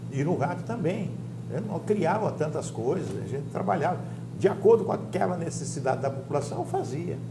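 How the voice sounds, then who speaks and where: Moderate pace from a man, plus audible room echo and noticeable background noise. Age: 70s. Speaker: veteran radio and TV broadcaster, former politician. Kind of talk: interview.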